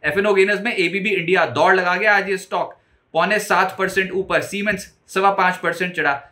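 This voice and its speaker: A man in his forties with an Indian accent presenting a stock market roundup, briskly and emphatically reeling off figures. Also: high-pitched, fairly even intonation, sharp tone. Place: studio, indoors before a branded backdrop.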